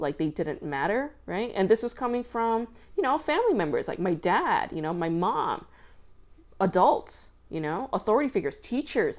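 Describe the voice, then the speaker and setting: A woman hosting a podcast, talking loudly and casually with lots of fillers. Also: fairly low pitch. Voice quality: loud voice. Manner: chatty, filler-heavy with frequent "like" and swearing. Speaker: podcast host. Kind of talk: casual commentary monologue.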